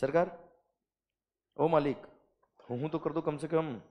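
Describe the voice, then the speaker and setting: A man with an Indian accent lecturing students in a classroom, mixing Hindi and English. He reads legal text slowly word by word and keeps asking the class whether it is clear. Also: on the high side, steady tone, darkish tone, dull audio. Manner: calls students "beta" and "sir". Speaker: GST teacher.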